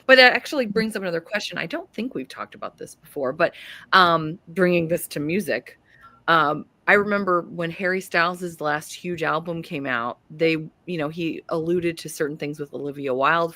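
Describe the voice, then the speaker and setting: A woman's voice: deep voice, a bit bright, dry recording. A woman hosting a book club, casually posing questions and talking them through with the group. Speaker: book club host leading discussion. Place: remote group live stream.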